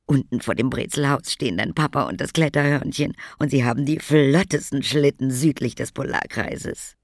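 A man voicing a quirky little lady, eccentric and fond of treats, in a high, fluttering, fussy way. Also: normal speed, no echo, clean studio sound, natural voice. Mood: cheerful.

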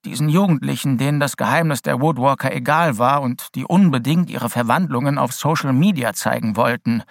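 A man voicing a gruff, bitter old male school headmaster and former policeman who growls his words curtly. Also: medium pitch, a little fast, no echo, studio quality, close to an everyday voice. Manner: growling, curt.

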